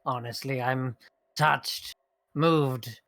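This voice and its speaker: A man voicing a condescending hag villainess in a tabletop game, slow and theatrical, with mock-polite menace. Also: mid-range voice, steady tone, fairly bright tone, no room sound. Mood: oily, bargaining. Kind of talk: tabletop role-play.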